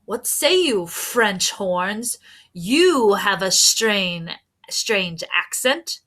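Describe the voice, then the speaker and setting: A woman's voice: medium pitch, expressive, very slow, a bit bright, heavily acted. A woman voicing an accusing, vain male police inspector from a storybook, with emphatic, dramatic questioning. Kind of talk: storybook character voice.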